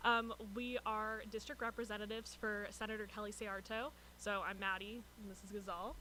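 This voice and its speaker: A woman's voice: mid-range voice, level tone, moderate pace, sharp tone, rough recording. A woman giving a brief, informal introduction as a district representative at a public meeting. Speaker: district representative of a state senator. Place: city council chamber, public meeting. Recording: noticeable background room noise.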